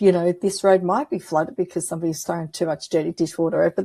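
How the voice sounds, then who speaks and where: A woman speaks at a medium pitch with an Australian accent. Her intonation is fairly even, and the sound is dry and close with no echo. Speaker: life coach. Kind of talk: casual chat.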